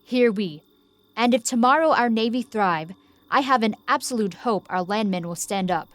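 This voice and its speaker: A woman's voice: fairly high pitch, expressive, normal speed, a bit bright. A woman acting a watchful, hopeful soldier on night guard in a Shakespearean audio drama, earnest in manner.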